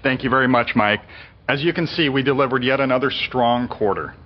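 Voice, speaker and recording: A man's voice: medium pitch, a little fast, lo-fi sound. A man reading a scripted financial presentation as a company executive on an earnings call.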